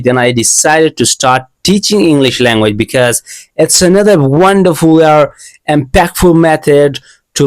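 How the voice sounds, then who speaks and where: A man's voice: on the high side, no room sound. A young man from Asia, whose first language is an Asian language, gives a casual English lesson in earnest, learner English, often repeating and restarting phrases. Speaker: English teacher.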